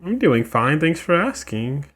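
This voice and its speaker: A man's voice: on the high side, very animated, measured pace, fairly bright tone, faint music behind. A man hosting a casual let's play, chatting informally and reacting aloud to the game. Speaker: gaming video host.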